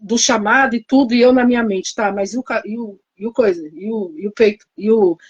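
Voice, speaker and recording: A woman's voice: fairly high pitch, a little fast, husky, muffled recording. Emotional Brazilian woman pastor. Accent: Brazilian Portuguese. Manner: emotional, storytelling, reenacts her own prayers. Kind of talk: testimony sermon.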